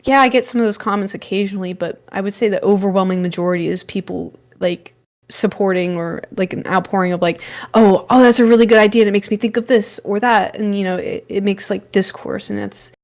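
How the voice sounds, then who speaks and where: A woman with a mid-pitched voice talks as a guest on a livestream. Her chat is casual and full of slang, with an encouraging manner. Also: steady tone, a little fast, a little mellow. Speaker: livestream guest and content creator.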